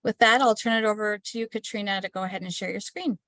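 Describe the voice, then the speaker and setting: A woman hosting a webinar on a video call, reading housekeeping notes and a speaker introduction from a script. Her pitch sits in the middle range, and her voice is dry and close on a computer microphone, with no room sound. She keeps an even, steady pace and stumbles now and then over a word. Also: fast, no echo. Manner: scripted, steady delivery with small slips. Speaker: webinar host.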